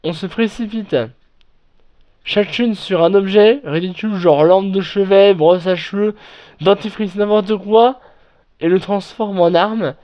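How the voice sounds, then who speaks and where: High-voiced man reading horror stories. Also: steady tone. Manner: halting reading with frequent restarts and self-corrections. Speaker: online horror story narrator. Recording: dull lo-fi recording.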